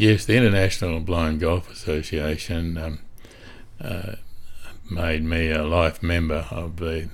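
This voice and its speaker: Speaking in an Australian accent, a man uses a very deep, low pitch with ordinary variation at a fairly slow pace. Room echo is audible. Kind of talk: interview.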